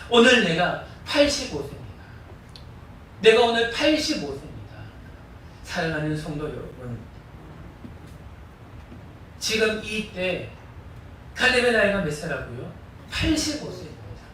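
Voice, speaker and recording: High, animated preaching man in echoey hall. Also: normal speed, pauses often, a little hiss or hum. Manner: earnest preaching with repeated call-and-response prompts. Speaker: pastor. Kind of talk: sermon. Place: church sanctuary. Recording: echoey church hall, distant mic.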